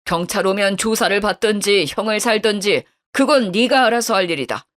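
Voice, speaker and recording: A woman's voice: medium pitch, animated, fairly quick, fairly bright tone, close to an everyday voice. Woman doing a stern old father-in-law. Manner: stern, curt commands. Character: stern older father-in-law, firm and unforgiving.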